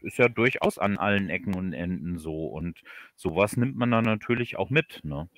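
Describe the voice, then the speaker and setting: A man chatting casually as an interview guest, explaining things haltingly and repeating words as he thinks. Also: low voice, expressive, dry recording, studio quality. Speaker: audio drama author, livestream guest.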